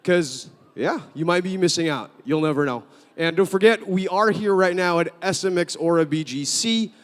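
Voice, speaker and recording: A man's voice: high voice, expressive, moderate pace. A man hosting a live gaming summit on stage, talking upbeat to the crowd and viewers at home. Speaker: event host. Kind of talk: energetic live event hosting. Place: large event hall. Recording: long hall reverb, music behind.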